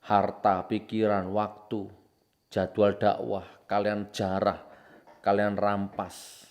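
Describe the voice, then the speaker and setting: A man preaching with confrontation, hammering out repeated accusations and swinging from low and solemn to loud and heated. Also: monotone, slow. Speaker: Islamic preacher. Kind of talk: impassioned preaching commentary.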